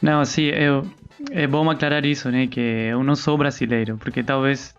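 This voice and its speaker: A man's voice: medium pitch, fairly even intonation, normal speed. A slightly muffled recording of a man with an Argentine accent, a native Spanish speaker. He co-hosts casually, hesitating as he looks for words, while faint guitar music plays behind him. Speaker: podcast co-host. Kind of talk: casual podcast talk.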